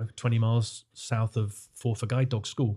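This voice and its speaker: A somewhat breathy man with a medium pitch and a dark, mellow tone, in a very clean recording with a silent background. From Scottish Highlands. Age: 50s. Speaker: accessibility entrepreneur. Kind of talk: podcast interview.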